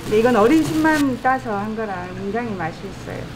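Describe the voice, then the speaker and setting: A woman's voice: on the high side, expressive, a little fast. A middle-aged woman cook explaining her dishes in a casual, friendly way while she works with her hands in a restaurant kitchen. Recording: noisy kitchen recording.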